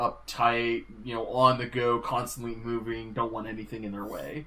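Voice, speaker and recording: With a Californian accent, a man speaks at a fairly slow pace in a bright, sharp tone at medium pitch. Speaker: podcast co-host. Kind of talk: casual chat. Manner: laid-back.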